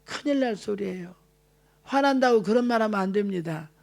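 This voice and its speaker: A woman's voice: mid-range voice, animated, brisk, creaky, darkish tone. A woman in her sixties from South Korea, preaching a sermon as an evangelist, earnest and exhorting. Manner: earnest, exhorting, acts out quoted family talk.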